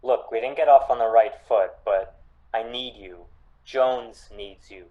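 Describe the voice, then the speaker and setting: A man playing a gruff, embittered police officer in an amateur radio drama. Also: medium pitch, a little slow, lightly acted. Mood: remorseful, pleading. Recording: thin phone-like sound, music behind.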